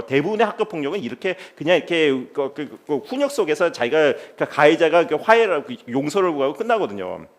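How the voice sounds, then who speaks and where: Animated middle-aged male lecturer. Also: a little high. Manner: animated, keeps asking the audience rhetorical questions. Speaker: philosophy teacher giving a guest lecture. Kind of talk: lively public lecture. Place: lecture studio with an audience.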